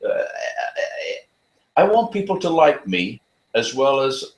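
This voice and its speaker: A man giving earnest advice as a dog trainer in an interview, talking quickly with frequent restarts. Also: medium pitch, very animated, roomy sound.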